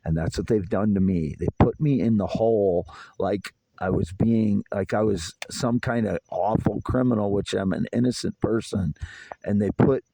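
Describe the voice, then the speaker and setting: A man's voice: fairly low pitch, moderate pace, gravelly, background noise. A man in his fifties delivering a rambling, aggrieved solo monologue outdoors in a yard at night. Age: 50s. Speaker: vlogger.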